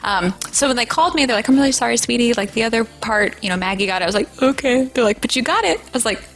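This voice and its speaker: Chatty woman with a deeper voice. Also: racing, faint music behind. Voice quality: deeper-pitched voice. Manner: chatty, animated storytelling with laughs. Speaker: anime voice actress, guest. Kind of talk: casual interview chat.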